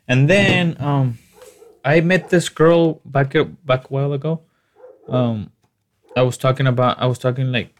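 A man with a Chicano accent chatting casually, switching between Spanish and English in a halting, slangy, profane way. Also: mid-range voice. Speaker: photographer.

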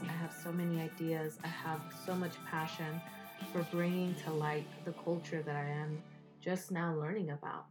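A woman's voice: fairly low pitch, poor audio. A woman who is a writer and singer, speaking earnestly to camera about a project close to her heart. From Salvadoran heritage.

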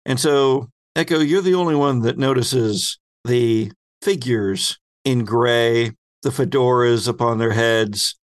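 A man hosting and narrating a tabletop game as game master, with deliberate, descriptive storytelling. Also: mid-range voice.

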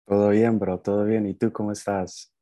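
A young man from Nicaragua, raised partly in the United States, talking casually as a podcast guest and often pausing to find his words. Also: on the low side, little pitch movement, mellow. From Nicaragua, moved to the United States at seven. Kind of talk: casual conversational storytelling.

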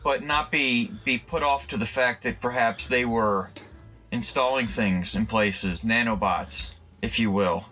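A man's voice: mid-range voice, a little slow, pushed and bright, faint music behind, low-quality recording. A man co-hosting a comedy podcast, rambling through silly paranoid tangents with plenty of swearing and laughter. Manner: rambling, profane, laughs often. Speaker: podcast co-host. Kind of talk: casual comedic chat.

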